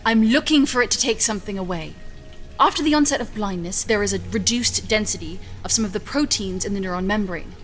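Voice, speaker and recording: An actress playing a stubborn, confident scientist in an audio drama, speaking in an assured, articulate, insistent way. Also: female voice, mid-range voice, brisk, fairly bright tone, soft background music, natural voice. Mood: excited, persuasive. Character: driven, stubborn female scientist, defiant and confident. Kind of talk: audio fiction acting.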